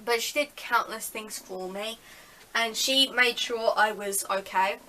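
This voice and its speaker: A woman's voice: fairly high pitch, unhurried, sharp tone, a little hiss or hum, low-quality recording. A woman telling a story in a casual vlog, chatty and full of "like". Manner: chatty, heavy use of "like", acts out dialogue. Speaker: vlogger.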